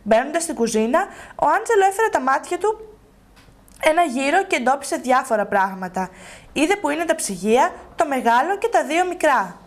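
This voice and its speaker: A woman hosting a TV book programme narrates the story steadily. Her voice is fairly high and she reads at an even pace. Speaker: TV host. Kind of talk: reading a book aloud.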